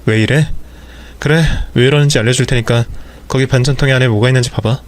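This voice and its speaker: A man's voice: mid-range voice, fairly even intonation, fast talker, close to an everyday voice. A man voicing an angry husband who speaks harshly and accusingly to his wife.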